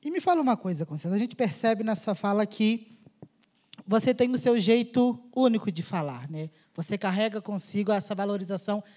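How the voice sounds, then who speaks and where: A woman's voice: medium pitch, expressive, brisk, warm tone. A woman moderating a festival panel, asking interview questions and giving brief, attentive affirmations.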